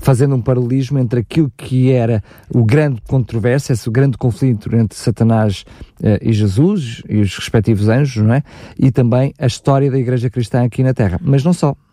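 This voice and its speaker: A man talks at a moderate pace in a medium pitch with a dark, mellow tone and ordinary pitch variation. His loudness stays very even, and the sound is dry and close with no echo. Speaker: radio host. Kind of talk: radio talk show.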